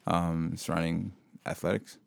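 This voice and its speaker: A young man with a very low voice talks loosely and unhurriedly, circling his thoughts with fillers and restarts. He is a local hip-hop artist from Sudan being interviewed. The recording is dry and close. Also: a little slow, creaky, clean tone, no room sound. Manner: relaxed, rambling, lots of fillers and restarts. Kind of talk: casual interview conversation.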